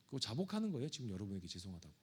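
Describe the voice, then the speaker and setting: Lively male pastor giving a chatty sermon. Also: on the low side, racing, a little hiss or hum. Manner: conversational, joking, confessional. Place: church sanctuary.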